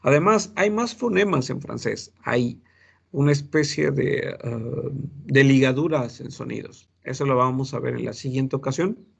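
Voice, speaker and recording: A man teaching French pronunciation to Spanish speakers, slowly and patiently repeating each sound for his students. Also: mid-range voice, gravelly, husky. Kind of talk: recorded class lesson.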